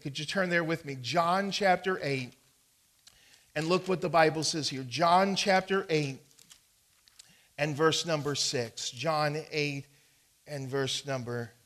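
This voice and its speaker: Slow-spoken bright-voiced male pastor. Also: on the high side. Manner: storytelling, folksy, deliberate with repeated verse references. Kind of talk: sermon.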